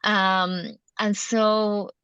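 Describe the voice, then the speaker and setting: A woman, a guest anthropologist giving thoughtful academic answers in an interview, pausing often with many hesitations. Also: mid-range voice, level tone, fairly bright tone, clear, resonant tone, no room sound. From Sweden. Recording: dull muffled sound.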